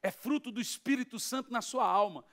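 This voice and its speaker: A Brazilian man, a pastor, preaching an expository sermon with animated emphasis, rising to shouts and asking the congregation questions. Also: extremely high pitch, fairly quick.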